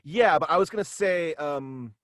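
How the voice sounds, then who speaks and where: A guest who wrote a superhero radio play speaks at normal speed in a fairly high, fairly bright voice during a casual home video call interview. There's no room sound and the quality is studio-grade; he is hesitant but enthusiastic and chuckles a lot.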